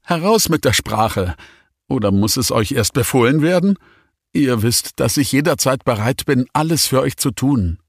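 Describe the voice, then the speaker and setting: A man's voice: medium pitch, lively intonation, normal speed, no room sound, clean studio sound, pitched above the performer's own voice. A man voicing an insistent male white dragon lord in an audiobook, speaking emphatically and with urgency. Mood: commanding. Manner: emphatic, commanding.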